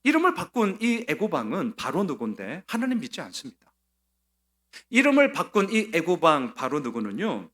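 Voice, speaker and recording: A male pastor preaching a Sunday sermon in an animated, emphatic way, asking the listeners rhetorical questions. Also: on the high side.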